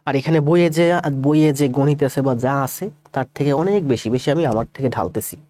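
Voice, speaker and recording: A man with a cold, speaking slowly and softly as he greets viewers before his live math class. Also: mid-range voice. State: has a cold. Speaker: math teacher.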